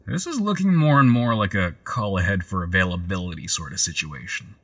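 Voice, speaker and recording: An actor playing a reluctant, grumbling driver in an audio drama, husky and dryly hesitant. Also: male voice, low voice, animated, a little fast, fairly bright tone, heavily acted. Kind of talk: naturalistic audio drama dialogue.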